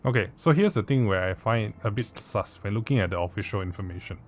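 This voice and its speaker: A man's voice: on the low side, quick pace, faint music behind. Blunt Southeast Asian man reviewing gear. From Southeast Asia. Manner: blunt, informal, mildly sweary. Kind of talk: casual product review.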